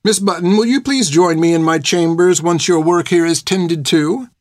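A polite, formal senior nun, as a male narrator puts her on with a voice raised well above his own. She gives courteous orders in slow, measured words. The recording is dry. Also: sits high, no echo, voice pushed up, close to an everyday voice.

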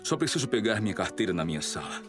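A grave police detective from an audio drama, acted out by a man, very low in pitch. His delivery is deliberate yet swings widely in intonation, resolute and daring, with music playing clearly behind him. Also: sing-song. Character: determined, daring male police detective Afonso.

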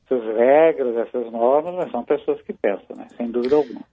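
A Brazilian man commenting on military affairs in a halting, measured way, with many restarts. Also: mid-range voice, slight background noise. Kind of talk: phone-in analysis on a news program. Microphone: phone. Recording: tinny phone line.

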